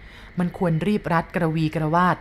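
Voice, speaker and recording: A woman storyteller voicing a blunt, rough-spoken village man in a spoken ghost story. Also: on the low side, level tone, moderate pace, a little hiss or hum, close to an everyday voice. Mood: pushy.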